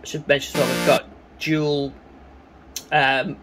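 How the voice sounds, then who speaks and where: A man giving a casual, hands-on synthesizer demonstration, talking in a halting way as he works. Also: a little high, flat delivery, music in the background, rough recording. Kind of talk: casual hands-on gear demo commentary. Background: synthesizer tones.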